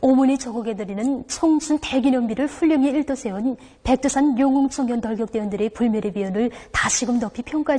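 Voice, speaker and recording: Mellow, high-pitched North Korean woman narrator. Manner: solemn, reverent delivery. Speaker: television news narrator. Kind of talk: formal scripted news narration.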